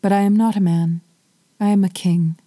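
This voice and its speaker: A woman's voice: mid-range voice, fairly even intonation, normal speed, dark tone, no echo, close to an everyday voice. A woman voicing a proud, stubborn young king. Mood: earnest. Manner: firm, declaiming.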